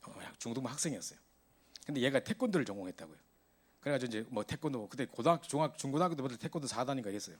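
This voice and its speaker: A man preaching a sermon to a youth service, telling stories in an animated way. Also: medium pitch. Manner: animated storytelling, voice rising in exasperation.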